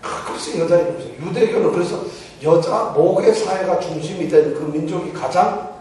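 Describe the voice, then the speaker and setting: A man's voice: high-pitched, fairly quick, a little mellow, slight background noise. A man preaching a Bible teaching sermon in a church, often putting questions to the congregation. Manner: poses rhetorical questions to the congregation. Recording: very echoey church hall, mic far off.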